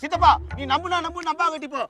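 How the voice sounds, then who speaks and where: Man as wisecracking school kid, very high voice. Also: steady tone, quick pace, pushed and bright, soft background music. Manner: cheeky wisecracks. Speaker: schoolboy nephew in a sketch. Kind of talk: comedy sketch acting.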